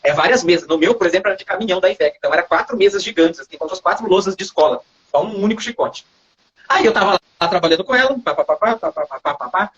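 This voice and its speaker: Fast-talking Brazilian man, husky voice. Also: high voice, highs cut off. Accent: Brazilian Portuguese. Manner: animated, acts out quoted dialogue, frequent tag questions. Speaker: hypnotherapist interview guest. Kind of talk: casual storytelling in a livestream interview.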